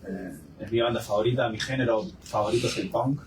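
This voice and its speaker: A man's voice: on the low side, brisk. A man with an Argentine accent speaking as a guest in a live panel discussion, hesitant and full of filler sounds, recorded in a forum hall. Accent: Argentine Spanish. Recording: distant mic with clear room noise.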